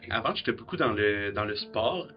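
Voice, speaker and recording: Quebec French man, 20s, lower voice, casual halting testimony, dull mix. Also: expressive. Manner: casual, searching for words. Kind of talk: testimony video. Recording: dull recording with soft guitar.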